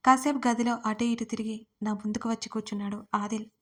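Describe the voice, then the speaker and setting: Woman narrating an audio story flatly. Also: fairly high pitch, quick pace. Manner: plain, steady storytelling read.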